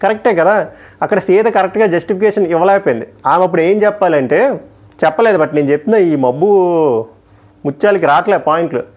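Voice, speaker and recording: Male reviewer, quick emphatic delivery, slightly high voice, opinionated casual commentary. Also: darkish tone. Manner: emphatic, opinionated, quickly switching between points. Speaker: TV show reviewer.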